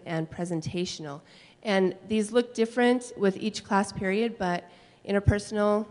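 A woman high school language teacher giving a steady conference talk into a handheld mic on stage. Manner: steady, explanatory, some fillers. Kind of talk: conference presentation. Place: large school hall, on stage. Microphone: handheld microphone. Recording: long reverb of a large hall.

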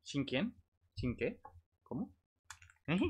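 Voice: medium pitch, very animated, slow, slightly rough. A game streamer with an accent from Spain, chatting casually on a live stream. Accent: Spanish, from Spain. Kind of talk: casual gaming stream chat.

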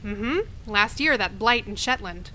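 A woman's voice: mid-range voice, lively intonation, measured pace, natural voice. An actress in a comedic audio drama playing a grouchy, impatient witch with a sardonic, blunt delivery. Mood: dry, sarcastic. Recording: noticeable background noise.

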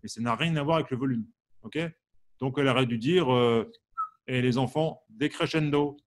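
A man's voice: mid-range voice, a little fast. A man from the Champagne region of France teaching harmonica in a live online lesson, quizzing viewers and reading their answers out by name. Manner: asks the audience questions, many fillers.

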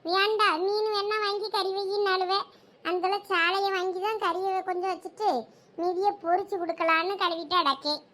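A woman's voice: fairly even intonation, moderate pace, sharp tone. A woman playing a chatty village housewife in a family skit. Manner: chatty, teasing, very high voice.

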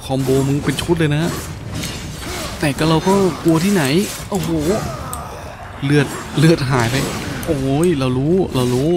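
Here a game streamer with a slightly high voice reacts to play through exclamations and interjections, speaking unhurriedly and pausing often. The background is noisy, filled with video game music and effects.

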